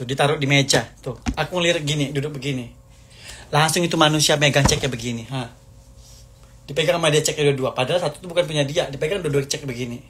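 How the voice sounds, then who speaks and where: A man's voice: fairly high pitch, background noise. A man delivering an angry, accusing rant to the camera, hammering the same points over and over. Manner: heated, accusing, repetitive.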